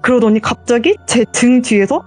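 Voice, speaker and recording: A woman's voice: fairly high pitch, normal speed, darkish tone. A young woman telling her own ghost story as a caller on an interview show, earnest and quoting others in acted lines. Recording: voice call with faint music behind.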